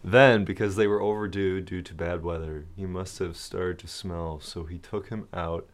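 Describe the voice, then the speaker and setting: Deep-voiced guy, laid back, thinking out loud, says like a lot. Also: normal speed. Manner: relaxed, thinks aloud, lots of "like" and "I feel like". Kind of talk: casual chat.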